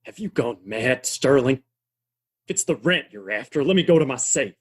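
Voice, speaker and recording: A man acting a gruff, stubborn saloon owner in a Western audio play, with a husky voice. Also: medium pitch, lively intonation, moderate pace, very noisy, close to an everyday voice. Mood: indignant.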